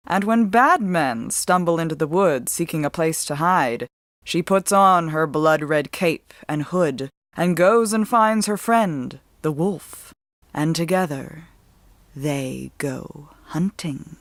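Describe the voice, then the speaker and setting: Female storyteller: lowish voice, very animated, deliberate dramatic narration, dry sound. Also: no room sound. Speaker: author and storyteller.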